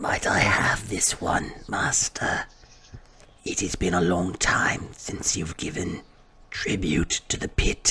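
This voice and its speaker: A man's put-on character voice, raspy and sinister, at a fairly slow pace. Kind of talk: archaic. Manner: whispering, sinister.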